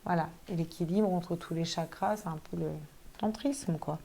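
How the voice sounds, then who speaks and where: A woman's voice: on the low side, normal speed, vocal fry, mellow. A woman giving a casual tarot reading to viewers, chatty and thinking aloud, with some casual swearing. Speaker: tarot card reader.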